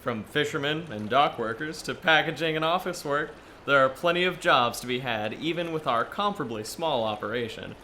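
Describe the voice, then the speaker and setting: A man's voice: a little high, lively intonation, moderate pace, bright, forceful tone, a little hiss or hum. A man playing a friendly, eager young Yeti tour guide in an audio drama, chatty and earnest as he explains things. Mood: proud, informative.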